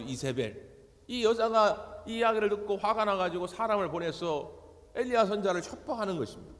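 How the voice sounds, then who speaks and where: A man preaching a Sunday sermon as pastor, animated and emphatic, with dramatic pauses. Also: high voice. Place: church sanctuary. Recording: long church hall reverb.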